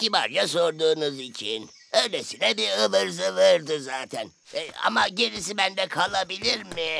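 This man's voice sits fairly high in pitch. It moves through very wide pitch swings. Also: moderate pace. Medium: fan dub. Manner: regal, impatient, gruffly kind.

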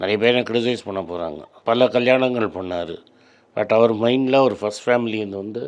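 This is a man speaking at a medium pitch. His pitch varies in an ordinary way. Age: 50s. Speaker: financial commentator. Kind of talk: interview, casual advice. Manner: animated.

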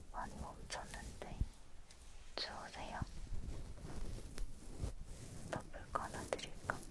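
Soft-spoken whispering in a gentle tone at a very slow pace. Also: woman. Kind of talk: ASMR role-play. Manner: soft, gentle ASMR near-whisper. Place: home room. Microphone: studio mic.

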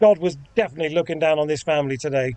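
The sound is dry, with no echo. A man speaks with ordinary pitch variation. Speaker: channel host, witness. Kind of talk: live commentary. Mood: shocked, serious. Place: home room.

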